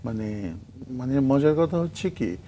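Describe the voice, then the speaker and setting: A man's voice: mid-range voice, animated, measured pace, dark tone, a little hiss or hum. An older man, a guest on a morning talk show, chatting in a rambling way with many fillers and reading his short poems aloud. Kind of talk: relaxed interview talk with poetry recitation. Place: TV studio.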